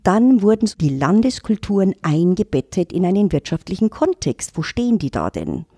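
A woman's voice: mid-range voice, very animated, normal speed, warm tone, slightly rough, no echo, clean studio sound. A middle-aged woman, reflectively telling her story on a podcast. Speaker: intercultural trainer, guest. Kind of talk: casual podcast talk.

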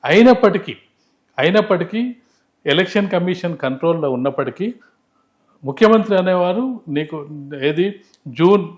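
A man's voice: high voice, lively intonation, moderate pace, pauses often. A man giving unscripted political analysis in an interview, emphatic and explanatory, repeating phrases to drive points home.

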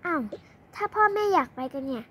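A woman's voice: very high voice, lively intonation, brisk, a bit bright, slight background noise. A young girl improvising a playful dollhouse roleplay drama, acting out every family member's dialogue herself. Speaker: storyteller voicing every character in a toy roleplay video.

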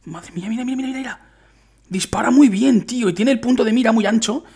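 A young man with a Spain Spanish accent giving excited, chatty commentary over a shooter game he is playing, talking straight to his viewers. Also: very high voice, fast talker, slightly rough. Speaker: gaming youtuber. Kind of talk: casual gameplay commentary.

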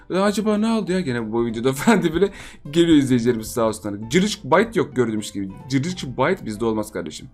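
A man giving playful gameplay commentary for his channel, chatty and laughing often as he talks straight to his viewers. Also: a little high. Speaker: gaming channel host.

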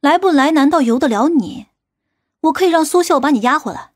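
An actress playing a stern, haughty policewoman in an audiobook, sharp, commanding and husky. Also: high-pitched, expressive, a little fast, no echo, studio quality. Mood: angry, scornful. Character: stern, haughty police team leader woman, easily angered.

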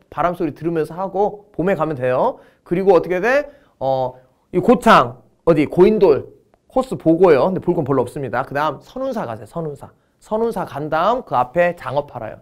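A man gives an exam-prep history lecture in a joking, storytelling manner. His voice sits a bit high and swings widely in pitch, and he drags out words for effect.

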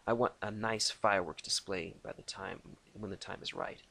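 Brief: a man playing an icy female elf sniper, clipped and formal, gravelly edge. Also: low-pitched, fairly even intonation, moderate pace, pushed and bright, heavily acted. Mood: cold.

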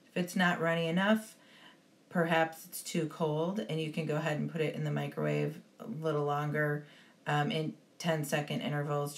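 A woman giving a relaxed, step-by-step baking lesson as a voice-over, with frequent ums. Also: low-pitched. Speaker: baking instructor. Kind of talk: instructional voice-over.

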